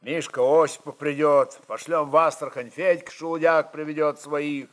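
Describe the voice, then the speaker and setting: A man's voice: on the high side, flat delivery, normal speed, natural voice. A man voicing a stern, resolute Cossack rebel chieftain who speaks in terse commands, in a literary radio drama. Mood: firm, urging.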